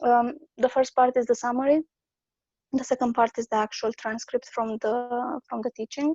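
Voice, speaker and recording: A woman with a non-native accent, high-pitched yet dark and mellow in tone, monotone and flat at a moderate pace, with a dry, close sound and no echo. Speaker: online meeting facilitator. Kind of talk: group meeting talk and reading aloud. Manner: hesitant, many fillers.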